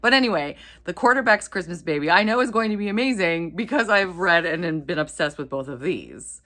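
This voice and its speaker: Animated woman vlogger with a lively pitch. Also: a little fast. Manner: gushing, enthusiastic, chatty with playful asides. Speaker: book video channel host. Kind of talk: casual vlog chat about romance books.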